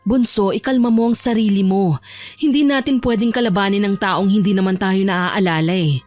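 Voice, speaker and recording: A woman voicing a calm, protective older sister in an audio drama, speaking in a measured, admonishing and soothing way. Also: medium pitch, faint music behind, natural voice.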